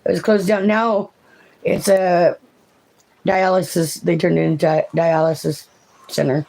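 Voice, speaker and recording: A woman raised in Oregon in a casual family chat, relaxed and giggly. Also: on the low side, measured pace, vocal fry, rough recording. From born in Washington, raised in Oregon. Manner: relaxed, giggly, a bit tipsy.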